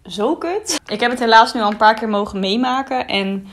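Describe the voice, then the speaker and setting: A woman's voice: a little high, steady tone, brisk. A woman in her twenties chatting casually in a vlog as she eats, at times talking with her mouth full. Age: 20s. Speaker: vlogger. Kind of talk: casual girl talk mukbang vlog. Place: small bright room indoors, seated at a table.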